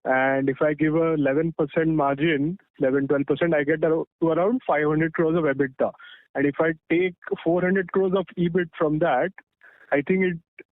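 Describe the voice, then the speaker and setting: A man asking careful questions as an analyst on a conference call, heard over a phone line and pausing on fillers as he works through figures. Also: fairly high pitch, fairly even intonation, no echo. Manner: methodical, pauses on fillers while working through figures. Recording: tinny dry phone line.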